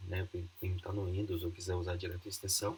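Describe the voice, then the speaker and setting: A man speaks softly in a somewhat breathy voice. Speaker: university lecturer. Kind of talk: online lecture. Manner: soft-spoken.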